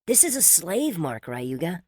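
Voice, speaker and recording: A man's voice: fairly high pitch, sing-song, a little slow, darkish tone, no room sound, studio quality, voice pushed up. A man voicing a stern, bossy young woman who scolds and lectures in an exasperated way. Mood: scolding.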